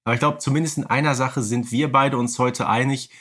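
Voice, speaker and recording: A man's voice: mid-range voice, fairly even intonation, a little fast, fairly bright tone. A man hosting a casual, humorous fan podcast, speaking wryly with playfully pedantic turns of phrase. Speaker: podcast host.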